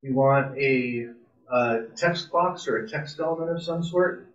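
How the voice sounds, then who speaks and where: A man with a mid-pitched voice walks through code live in a casual, enthusiastic way, thinking aloud as he goes. He sounds some way from the microphone in a roomy, echoing space. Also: a little slow. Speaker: presenter at a robotics club meetup. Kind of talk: informal live coding tutorial. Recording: distant, roomy, muffled meeting-room sound.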